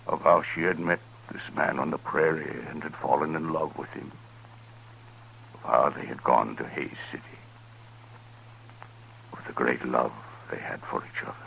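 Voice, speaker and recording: A man's voice: very deep voice, steady tone, gravelly, fairly bright tone, exaggerated voice, low-quality recording. An actor playing a proud, grieving Native American chief and father, speaking solemnly and formally in 1950s radio western style. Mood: solemn grief. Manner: solemn, formal, deliberate phrasing. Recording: 1950s radio recording with faint noise.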